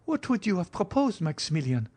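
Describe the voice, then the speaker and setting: A man putting on a despairing young woman, high and pleading. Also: big pitch swings, brisk, a little mellow.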